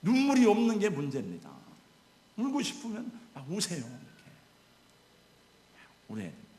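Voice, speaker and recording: A man's voice: sits high, huge pitch swings, moderate pace, warm tone. A male pastor preaching an emotional, exhorting sermon in a church. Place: church sanctuary. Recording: echoey church hall.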